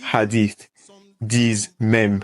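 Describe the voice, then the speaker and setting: A man's voice: lowish voice, level tone, extremely slow. A man asking a question from the audience of a public debate, polite but persistent, citing references.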